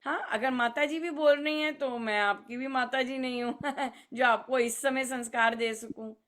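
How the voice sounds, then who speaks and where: A woman giving an unhurried spiritual talk to a family gathering, mixing Hindi with English phrases and acting out little scenes in different voices. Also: high-pitched, steady tone, fairly bright tone. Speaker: spiritual speaker.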